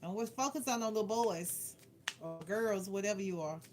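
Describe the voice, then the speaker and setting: Over music, a woman of medium pitch talks at normal speed while doing a casual livestream card reading. She's the host and tarot reader, offering playful yet blunt advice and repeating phrases for emphasis. The recording has clear background noise and clicks.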